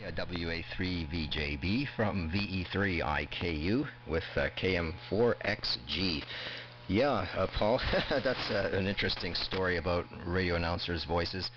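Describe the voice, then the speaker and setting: A man from Canada with a very low voice, miked close and boosted for a broadcast sound, chats casually. His signal comes through dull and muffled with faint static behind it. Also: a little slow. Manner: technical, talks close to the mic. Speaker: ham radio operator. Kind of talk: casual radio chat.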